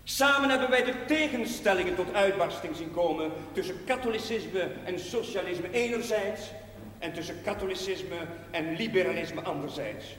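A man acting a solemn village Catholic priest in a television period drama, preaching rhetorically with weighty, measured pauses. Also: high-pitched, fairly bright tone. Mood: solemn, impassioned. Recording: echoey church-like hall with hiss.

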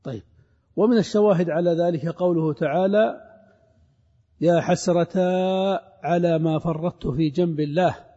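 A man giving a classroom grammar lesson. He asks questions and answers them himself, and he repeats each example slowly. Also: fairly high pitch, steady tone, dark tone, breathy edge. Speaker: grammar teacher. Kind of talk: classroom lecture on Arabic grammar. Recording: dull lo-fi recording with long hall reverb.

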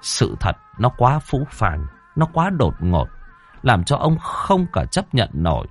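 A man's voice: mid-range voice, huge pitch swings, slow pace, husky, soft background music. A man narrating an audiobook story with dramatic pacing.

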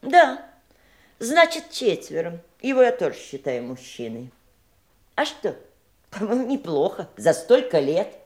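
A woman's voice: medium pitch, big pitch swings, measured pace. An actress in a Soviet audio drama playing an evasive, prickly woman, by turns hesitant and curt. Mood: tart, defiant. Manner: hesitant, then curt and tart. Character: evasive, prickly woman guarding memories of past lovers.

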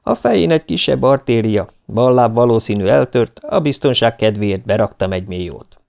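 Egy felolvasó férfi hangján lelkes fiatal mentős. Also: male voice, medium pitch, expressive, gravelly, darkish tone, dull audio. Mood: matter-of-fact. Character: young male paramedic, eager and helpful.

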